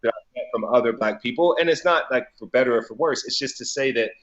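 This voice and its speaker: A man from Colorado chats as a guest in a relaxed conversation. He rambles with filler words, swears freely and laughs easily. His voice sits at an ordinary pitch, and the recording sounds somewhat dull and lo-fi. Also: quick pace. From Colorado, USA. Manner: loose and profane, many "like" fillers, laughs easily. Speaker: guest, DJ and business owner. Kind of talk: casual conversation.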